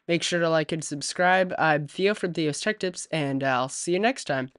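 A man hosting a tech tutorial, walking through software setup step by step as a voice-over at a USB desk microphone. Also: on the high side, normal speed, smooth, no room sound, clean studio sound. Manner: steady step-by-step instruction. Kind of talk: screen-recorded software tutorial.

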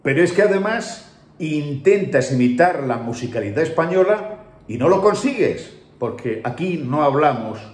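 A man's voice: fairly high pitch, expressive, moderate pace. Spanish voice guy ranting, castilian accent, scolds a lot, roomy echo. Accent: Spain Spanish. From Spain. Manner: indignant, scolding, emphatic. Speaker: voice-over artist. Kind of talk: opinionated video commentary. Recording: echoey room.

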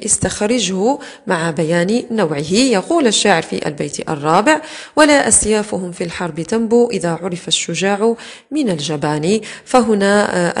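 In a recorded lesson, a woman teacher with a medium-pitched, slightly rough voice explains exam answers. She's methodical and patient, slowing down to repeat key words.

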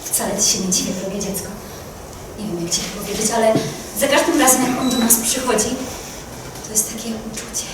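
A young female student actor playing a motherly, soothing woman who gently placates the others. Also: on the high side, brisk, close to an everyday voice. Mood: placating. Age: late teens. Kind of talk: amateur stage acting. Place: converted attic hall at a school. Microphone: distant room mic. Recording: echoey room, distant mic, loud noise.

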